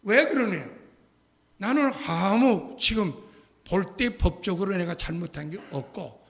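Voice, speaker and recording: An older man preaching a sermon as a pastor, telling a story with lively acted-out dialogue and sudden loud outbursts. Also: high voice, a little slow. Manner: animated storytelling, acting out quoted voices, shouting at climaxes.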